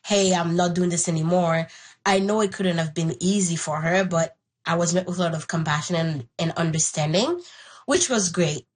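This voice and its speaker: A young woman from Haiti, whose first language is Haitian Creole, talks through her own story at a fairly low pitch. She is earnest and unhurried and pauses to search for her words. She sounds like a guest being interviewed. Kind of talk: reflective personal story.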